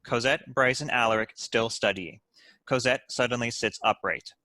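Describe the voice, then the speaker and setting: A man's voice: medium pitch, normal speed, pushed and bright, dry recording. A man narrating the stage directions of a script at a table read.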